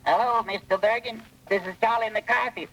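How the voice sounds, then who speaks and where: A man's voice: high-pitched, steady tone, normal speed, bright, forceful tone, rough recording. A man voicing a cocky, slangy boy ventriloquist's dummy in radio comedy, on an old worn recording. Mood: cheeky. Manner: slangy, cheeky. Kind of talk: 1940s radio comedy acting.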